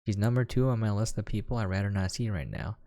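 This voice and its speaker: A man's voice: fairly low pitch, fast talker, dark tone. A man giving casual, musing gameplay commentary and reading visual novel text aloud. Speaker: game preview commentator.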